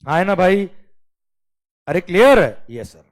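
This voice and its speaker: An Indian man with a fairly high voice teaches an exam-prep lecture. He mixes English and Hindi, calls his students "beta" and keeps asking if they are clear. He reads the English questions out slowly. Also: sing-song.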